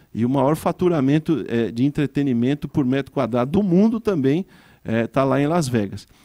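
Against a quiet background, a man with a fairly high pitch and a dark, mellow tone speaks at a moderate pace with lively intonation and very even loudness. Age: young. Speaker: state legislator. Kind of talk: formal speech. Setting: auditorium. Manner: hesitant with fillers. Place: hall. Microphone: podium.

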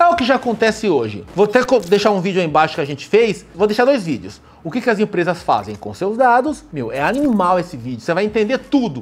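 A man talks very fast at a high pitch. His pitch swings very widely. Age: 40s. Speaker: tech YouTuber. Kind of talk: casual explainer video to camera. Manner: animated. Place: studio.

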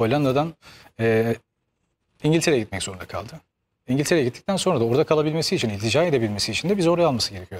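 A man is speaking. His intonation is lively. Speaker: talk show guest. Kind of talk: interview answer. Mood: reflective, recounting hard childhood. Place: studio.

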